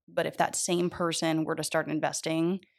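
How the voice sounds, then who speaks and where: With an American accent, a woman speaks at a fairly low pitch with vocal fry in a very clean recording against a silent background. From South Florida. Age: 20s. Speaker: investment firm executive. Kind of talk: casual chat.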